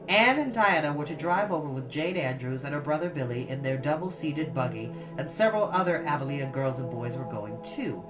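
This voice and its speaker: A woman reading a classic novel aloud as a storyteller, expressive and lingering over phrases. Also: deep voice. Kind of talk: scripted narration, storybook reading. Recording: distant mic with music behind. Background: music.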